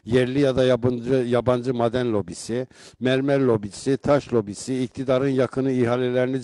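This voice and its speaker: A middle-aged man hosts a local call-in style show, his voice warm and dark. He is recorded close and dry, and he moves from easy chat into pointed rhetorical questions. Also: medium pitch, no room sound. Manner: conversational, turning rhetorical and emphatic when he comments. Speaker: local broadcast host reading viewer comments. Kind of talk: casual live-show commentary.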